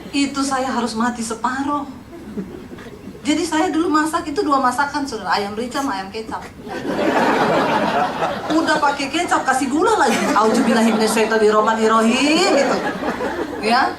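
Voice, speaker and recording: High-voiced, animated woman pastor preaching. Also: noisy background. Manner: animated, laughs often, teasing the congregation. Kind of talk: lively humorous sermon. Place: large church hall. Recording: echoey church hall from far off.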